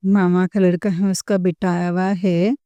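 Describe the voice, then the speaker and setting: Tearful middle-aged woman, devotional testimony, slow repetitive delivery, mellow smooth voice. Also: on the low side, little pitch movement, dry recording. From Punjab, India. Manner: slow and repetitive, keeps addressing the congregation.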